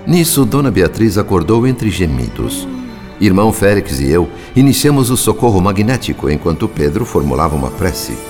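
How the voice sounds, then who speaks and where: An actor playing a grave, observant male narrator of spirit-world events in a radio drama, with literary, deliberate delivery. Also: low voice, big pitch swings, music in the background. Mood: grave storytelling.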